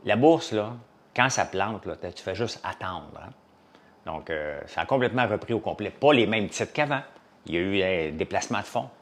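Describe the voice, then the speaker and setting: A man with a Québécois French accent chats casually to a live audience in a lowish voice. He rambles and jumps between topics, leaning on fillers. He sounds like a farmer and business owner talking off the cuff. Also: animated, moderate pace.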